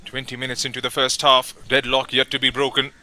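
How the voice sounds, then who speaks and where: A man giving live play-by-play football commentary, calling names and passes in steady, measured phrases. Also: medium pitch. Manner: steady, measured calls with brief pauses between names.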